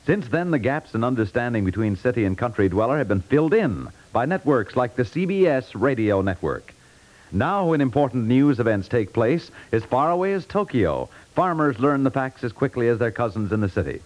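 Old-time radio announcer guy, formal scripted read, medium pitch, very lively intonation. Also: a little fast, poor audio. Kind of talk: scripted 1950s radio narration.

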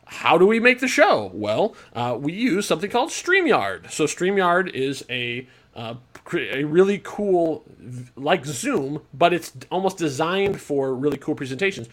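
Man, podcast co-host, casual chat, rambling, lots of fillers, fairly high pitch. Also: very animated, moderate pace, a bit bright. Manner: rambling, many restarts and "like" fillers. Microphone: own remote podcast mic.

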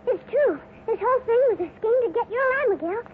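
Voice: very high-pitched, animated, fast. A performer playing an earnest, headstrong young ranch boy in a 1950s radio western, on a scratchy, tinny recording. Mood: urgent, pleading. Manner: earnest, exclamatory.

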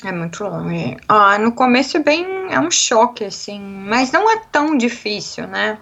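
A woman's voice: mid-range voice, very animated, normal speed, creaky, a bit bright, lo-fi sound. A young adult woman from Brazil with a Brazilian Portuguese accent, chatting animatedly in an interview and acting out little quotes as she talks. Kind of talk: casual conversational interview.

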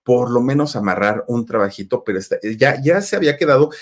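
A man's voice: mid-range voice, animated, fast talker. A man with a Mexican accent telling a gossip story in a chatty way, talking straight to his listeners. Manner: chatty, addresses listeners directly, many fillers. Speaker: storytelling host.

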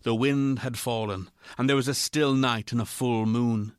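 A man reads a ghost story as narrator, in a medium-pitched voice recorded very dry. His delivery is measured and literary, suited to scripted gothic storytelling. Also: fairly even intonation, no room sound.

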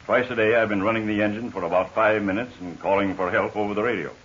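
An American actor playing a worried, weary stranded pilot, plain-spoken and grave, in 1940s radio serial style. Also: male voice, lowish voice, fairly even intonation, fast talker, a bit bright, slightly rough. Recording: dull, hissy 1940s radio recording.

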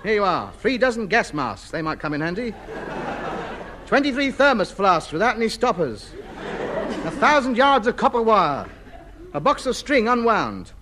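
A man's voice: high-pitched, sing-song, moderate pace, crowd noise, background noise. An actor playing a pompous, easily ruffled man buying up junk in a 1950s radio comedy. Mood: indignant. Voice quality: pompous, indignant.

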